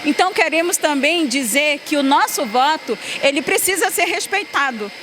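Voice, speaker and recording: A woman's voice: high-pitched, animated, moderate pace. A woman activist and educator, speaking fluently and with commitment in a news interview. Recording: outdoor noise, vehicles behind.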